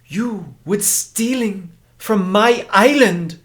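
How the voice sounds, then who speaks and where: A man voicing a stately island priestess who speaks in slow, halting broken grammar. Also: sits high, fairly bright tone, breathy edge, voice pushed up, heavily acted. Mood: imperious.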